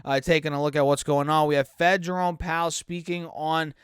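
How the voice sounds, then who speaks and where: A man's voice: a little high, fairly even intonation, a little fast, smooth, no room sound. Stuffy-nosed guy chatting stocks, lots of "guys" and "uh", dry close sound. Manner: upbeat, addresses viewers as guys, many fillers. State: stuffy nose from allergies. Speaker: stock market YouTuber. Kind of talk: casual market analysis to camera.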